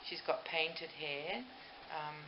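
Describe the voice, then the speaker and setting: This older woman takes it slowly, her low voice fairly even in intonation, as she rambles and gushes about her dolls to camera. She hosts the video herself, and the home recording comes across roomy, muffled, and noisy.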